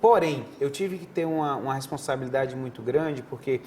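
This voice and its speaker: A man's voice: medium pitch, normal speed, darkish tone, slight background noise. A man who is a head and neck surgeon from Brazil. He answers interview questions in an explanatory, conversational way, often restarting his sentences. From Northeastern Brazil. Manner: didactic, conversational, frequent restarts. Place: TV studio desk.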